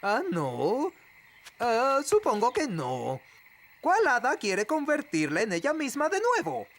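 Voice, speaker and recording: A woman's voice: a little high, huge pitch swings, slow, very noisy, exaggerated voice. A woman voicing a haughty, callous lady witch who teaches with pompous nonchalance in a Latin American Spanish cartoon dub. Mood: nonchalant. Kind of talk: animated children's cartoon dub.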